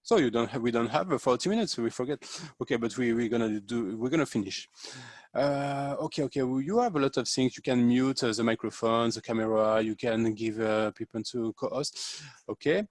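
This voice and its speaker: A man's voice: mid-range voice, a little fast, no room sound, studio quality. Hesitant man. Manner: hesitant, many fillers and restarts, mixes French into English. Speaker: tutorial host. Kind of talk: casual screen-share tutorial. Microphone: video call.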